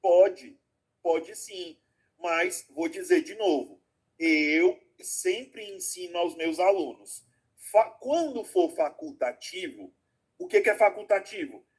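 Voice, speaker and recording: Speaking slowly and animatedly, a man with a high-pitched, breathy-edged voice teaches an online class over a video call. He explains each step, asks frequent check-in questions, and affectionately calls students "my loves."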